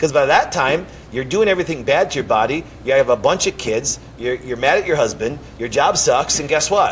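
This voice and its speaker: A man with a fairly high voice talks in an animated tone, with hardly any pauses. Noticeable background noise is present. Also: ordinary pitch variation. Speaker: chiropractor. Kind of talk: health lecture. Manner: fast.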